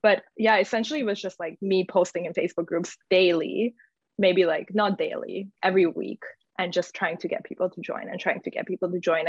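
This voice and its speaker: A woman's voice: fairly low pitch, gravelly, husky. A woman giving informal, rambling conversational answers as an interview guest, often dropping in "like". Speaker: guest, community founder. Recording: echoey room, slightly dull audio.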